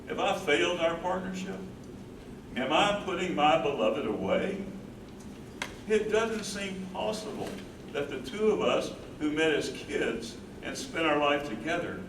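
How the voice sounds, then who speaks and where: A man's voice: a little high, recorded from a distance. A man playing an earnest, grieving older husband who cares for his wife, in a dramatic staged play reading. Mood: guilty, sorrowful. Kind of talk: staged play reading, first-person narration. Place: live staged reading in echoey room. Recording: roomy, noisy stage recording from afar.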